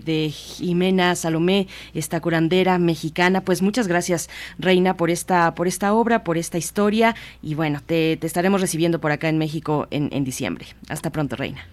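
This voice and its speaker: Low-voiced woman radio host. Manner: polite, formal. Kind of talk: radio interview hosting.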